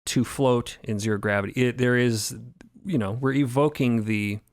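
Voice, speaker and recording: A man's voice: mid-range voice, steady tone, moderate pace, no echo, clean studio sound. A man speaking emphatically and articulately in a roundtable discussion, with elaborate phrasing, as a podcast creator.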